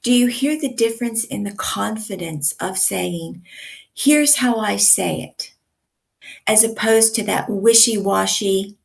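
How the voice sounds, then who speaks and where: Raspy woman coaching on how to speak, slow and deliberate, bit of fry in her voice. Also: mid-range voice, rough recording. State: raspy from yelling at a concert. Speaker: communication coach. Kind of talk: teaching to camera.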